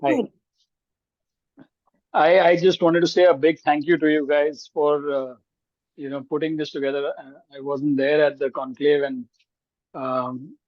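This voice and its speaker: A man speaks up on a video call to give thanks, with many fillers. His voice sits fairly high and stays flat in tone. The call audio is slightly dull and dry. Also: no room sound. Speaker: meeting participant. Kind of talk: casual online meeting chat.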